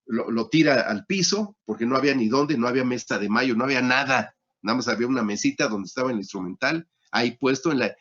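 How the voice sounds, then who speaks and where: A man teaching a surgery class, telling a story with many fillers and repeated words, talking into a phone. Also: medium pitch. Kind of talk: storytelling lecture. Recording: dull lo-fi sound.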